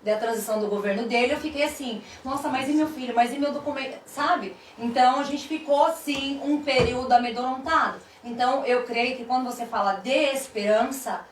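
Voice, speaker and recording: A woman's voice: high voice, fairly quick, few pauses. A woman with a Brazilian accent hosting a talk show conversationally, acting out remarks as she tells them. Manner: chatty, acts out quoted remarks. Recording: echoey room, distant mic, background noise.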